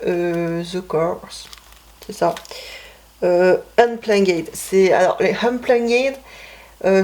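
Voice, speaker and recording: A woman's voice: mid-range voice, background noise. A woman vlogger chatting casually about her CD collection, rambling and correcting herself with many fillers. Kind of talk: casual chat.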